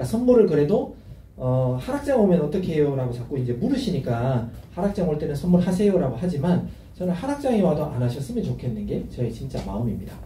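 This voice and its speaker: Amid noticeable background noise and audible room echo, a man with a fairly high pitch talks very fast, his voice swinging very widely in pitch. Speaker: trading instructor. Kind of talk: lecture.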